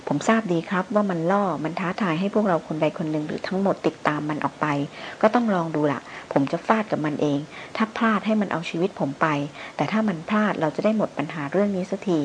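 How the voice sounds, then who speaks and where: A woman's voice: fairly low pitch, quick pace, few pauses, slight background noise, natural voice. A woman reading as a fierce proud hunter. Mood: defiant. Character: fierce adult male hunter, hot-headed and proud. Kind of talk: audiobook character reading.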